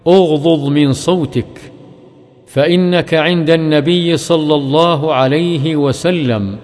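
A man chants religious narrations in a slow, melodic recitation. His voice sits slightly high and unhurried. A long reverb trails behind every phrase. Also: a little mellow. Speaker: hadith reciter.

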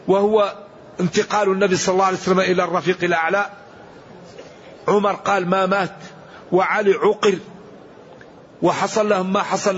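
A man's voice: high-pitched, highs cut off. A man giving an earnest, emphatic Quran commentary lesson, quoting scripture and sayings as he preaches. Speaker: Quran teacher.

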